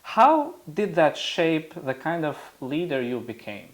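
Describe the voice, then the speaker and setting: A man with an Albanian accent, a native Albanian speaker, hosting an interview and asking questions in a halting way, often searching for words. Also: fairly high pitch, huge pitch swings. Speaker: interviewer, host.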